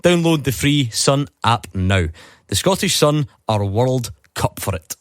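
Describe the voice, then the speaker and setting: A man reading a quick, punchy radio advertisement. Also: medium pitch, lively intonation, no room sound, clean studio sound.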